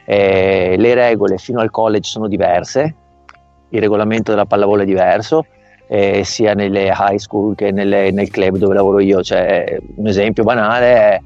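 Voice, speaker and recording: A man's voice: on the low side, fairly even intonation, moderate pace, darkish tone, no echo. A middle-aged man, a volleyball coach, speaking over a remote call line in an interview. He explains at length and often checks that the listener has understood. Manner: explanatory, often asks "capito?". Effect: heard over a remote call line. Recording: dull lo-fi call audio, faint music.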